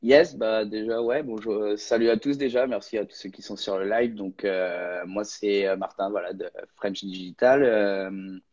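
A man's voice: fairly low pitch, fairly even intonation, moderate pace, a little mellow. A young man, a guest content creator, talking casually and hesitantly on a live stream. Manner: hesitant, lots of fillers and restarts, laughs easily. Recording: lo-fi online audio.

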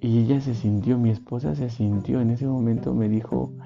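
A man's voice: mid-range voice, steady tone, moderate pace, vocal fry. A man, telling a personal testimony in an earnest, rambling, reflective way. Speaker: storyteller. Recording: dull recording with faint guitar music.

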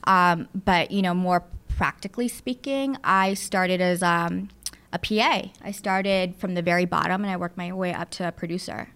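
Speaking at a normal speed, a woman with a lowish, fairly bright, clean voice appears as a casual interview guest. She's in her thirties, a Philippine-born, Southern California-raised producer who owns a studio, and her talk is loaded with fillers and side remarks.

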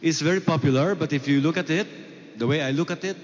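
A priest reading scripture and preaching in a measured, solemn way, his voice ringing with cathedral echo. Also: a little high, slight background noise. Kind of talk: gospel reading and homily. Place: large church. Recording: dull recording in an echoing church.

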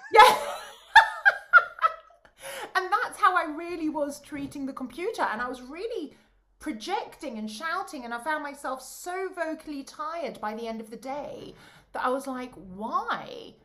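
A bubbly woman talks animatedly over a video call, laughing easily as she chats. Her voice sits fairly high and rings bright and forceful. She speaks as a singer and voice coach. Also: lively intonation, a little slow. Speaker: guest, opera singer and voice coach. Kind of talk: casual chat.

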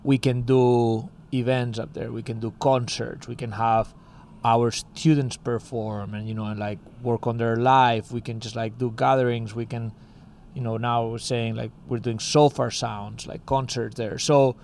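Speaking at a measured pace with little pitch movement, a man from Spain with a Spanish accent chats casually in an interview about co-founding a music school. His mid-range voice is creaky and a little mellow, and he rambles with constant "like" and "you know". There's a little hiss or hum.

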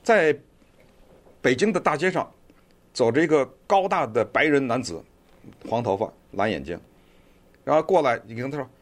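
A man's voice: mid-range voice, lively intonation, normal speed, pauses often. A man giving casual, chatty online commentary, rambling a bit and using lots of fillers.

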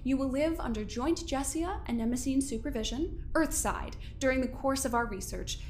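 A woman playing a smug, controlling overseer in an audio drama, delivering measured, condescending threats in a theatrical way. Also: sits high, soft background music. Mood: businesslike, controlling. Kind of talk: scripted audio drama acting.

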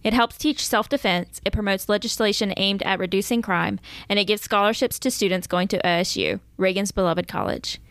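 A woman's voice: mid-range voice, animated, fairly quick, few pauses, a bit bright, no echo. A woman co-hosting a true-crime podcast, reading out case details and chatting casually. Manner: reads case notes, breaks into laughter. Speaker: podcast co-host.

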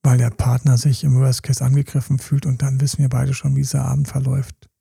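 This podcast co-host has a mid-range, creaky, slightly rough voice and talks briskly. He hands out casual, slangy relationship advice in an animated way, acting out little quoted scenes. The studio-quality recording has no echo.

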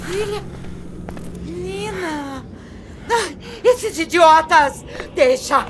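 An actress playing an oppressive, confused older mother in early dementia, shouting and stubborn. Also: high-pitched, sing-song, a little slow, soft background music, exaggerated voice. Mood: agitated, shouting. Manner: gritona, agitada, teimosa. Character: mãe idosa opressiva e confusa, com início de Alzheimer.

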